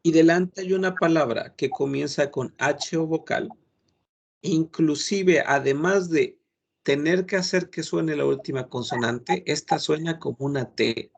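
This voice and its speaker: A man's voice: fairly high pitch, unhurried, creaky, muffled recording. A man, a French teacher lecturing his class in an earnest, admonishing way, giving many examples.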